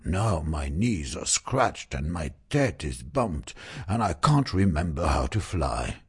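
A man's voice: a bass voice, big pitch swings, slow pace, husky, exaggerated voice. A man voicing a friendly, clumsy young dragon who babbles in a flustered way.

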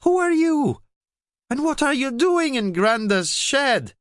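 A man voicing an excitable little girl in a storybook, yelping and shrill. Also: slow, no room sound, clean studio sound, exaggerated voice. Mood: alarmed.

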